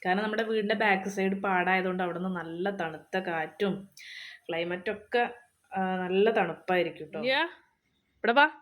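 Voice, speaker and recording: A woman's voice: lowish voice, fairly even intonation, moderate pace. A mother talking casually to her camera in her home kitchen, asking viewers questions. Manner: conversational, asks the viewer questions. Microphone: camera on a tripod.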